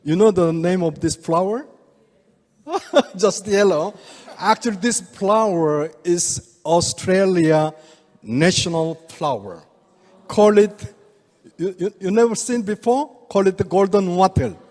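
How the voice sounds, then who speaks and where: An older man with a Korean accent, speaking halting non-native English to an audience and chuckling often. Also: sits high, darkish tone. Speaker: speaker, oriental medical doctor. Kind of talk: presentation to a live audience. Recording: reverberant hall.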